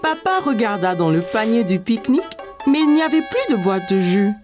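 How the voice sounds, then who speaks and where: A woman playing a kindly storyteller, narrating a children's cartoon in a clearly phrased storybook manner. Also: fairly high pitch, sing-song, brisk. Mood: storytelling. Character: kindly storyteller narrating a small boy's day. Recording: faint music under the voice.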